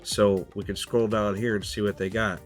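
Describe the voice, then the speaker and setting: A crypto channel host gives a casual screen-share walkthrough, his lowish voice level and moderately paced over faint music. He sounds stuffy and nasal from a cold, talking loosely with lots of fillers and repeating "go ahead" and "guys."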